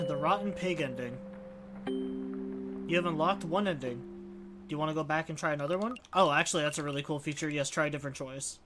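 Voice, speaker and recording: A man's voice: fairly high pitch, a little fast, over music. A man streaming a game, reading text aloud and commenting casually, recorded with background noise. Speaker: let's play streamer.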